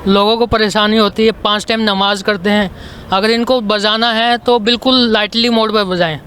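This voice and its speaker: A man with a high, forceful voice presses his opinion insistently. He is out on the street with some noise around him. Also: fairly even intonation, normal speed. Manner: emphatic, insistent. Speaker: member of the public being interviewed. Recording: noisy outdoor street recording.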